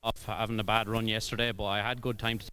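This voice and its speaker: A man's voice: fairly low pitch, flat delivery, fast talker, sharp tone, clean tone, no room sound. An Irish man, a drift driver, answering in a laid-back, shrugging way.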